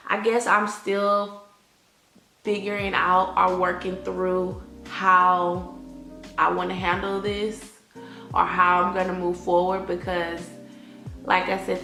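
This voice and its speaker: A woman's voice: mid-range voice, gravelly, sharp tone. A woman with an African American accent talking candidly in a personal vlog, conversational and repeating phrases for emphasis. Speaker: English teacher vlogging. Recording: roomy echo, faint music behind.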